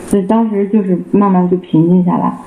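A man giving a personal church testimony, halting and repeating himself with many fillers. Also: high voice, fairly even intonation, dark tone. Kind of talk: casual spoken personal testimony. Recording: roomy with faint background noise.

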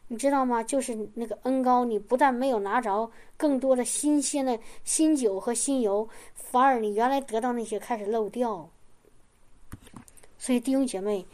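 A woman's voice: a little high, warm tone. A woman preaching a sermon in an earnest, repetitive way, often asking the congregation if they understand.

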